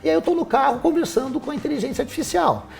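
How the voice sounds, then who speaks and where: A man who teaches, a guest on a podcast, giving practical advice in a casual, animated way with rhetorical questions. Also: extremely high pitch, rapid-fire, vocal fry.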